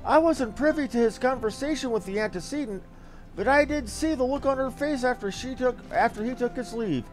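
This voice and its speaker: A man voicing a small, excitable young female helper from a fantasy game, in a theatrical, effusive manner. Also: very high-pitched, fairly quick, faint music behind, low-quality recording. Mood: alarmed, gossipy. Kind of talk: reading game dialogue in character.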